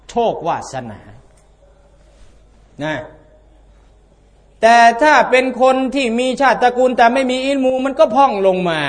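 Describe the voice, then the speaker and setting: High-voiced man preaching folksy sermon. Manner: folksy, asks rhetorical questions; chants scripture passages. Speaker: Islamic religious teacher. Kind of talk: conversational sermon to a congregation.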